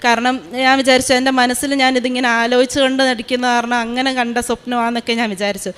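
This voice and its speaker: A woman's voice: fairly high pitch, flat delivery, fast talker, fairly bright tone, clean tone. A young woman, telling a personal testimony in an earnest storytelling way full of fillers. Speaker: testimony giver.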